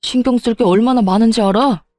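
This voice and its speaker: A woman's voice: fairly high pitch, fast talker, mellow, no echo, soft background music, close to an everyday voice. A woman voicing a hot-headed grown son who whines and blames his mother in a storybook reading. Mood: exasperated. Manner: whiny, exasperated.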